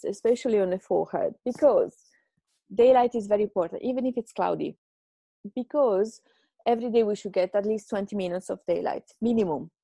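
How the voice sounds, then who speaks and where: Brief: Italian woman podcaster, gravelly low-toned voice, chatty and encouraging, dry close sound. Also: mellow, dry recording. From Italy. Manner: chatty, self-mocking, encouraging. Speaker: podcast host. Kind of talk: casual advice monologue. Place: home.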